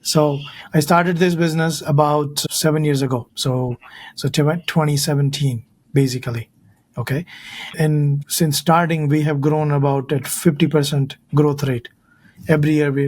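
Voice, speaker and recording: A man's voice: fairly high pitch, steady tone, moderate pace, darkish tone, breathy edge. A man, earnestly telling his story as an interview guest. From India. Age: 30s. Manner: earnest, storytelling, often ends with "right?". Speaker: guest, financial advisor. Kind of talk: casual interview talk.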